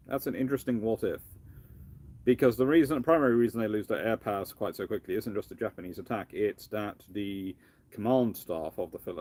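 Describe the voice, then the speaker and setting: A man's voice: on the low side, darkish tone. A British man hosting a casual live question-and-answer stream, talking in a rambling, discursive way and restarting his phrases. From United Kingdom. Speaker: livestream host, history lecturer.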